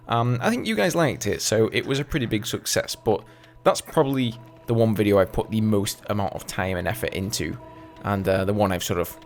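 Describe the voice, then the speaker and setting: A man in his twenties with an English accent, casually answering viewer questions over gameplay footage in a relaxed, chatty way. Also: on the low side, creaky. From England. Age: 20s. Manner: chatty, relaxed, with fillers and asides. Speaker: gaming YouTuber.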